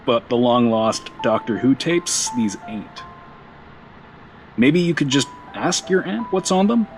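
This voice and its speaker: Wry, laid-back man, mid-pitched. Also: animated, slow, faint music behind. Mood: joking. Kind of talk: naturalistic audio drama acting.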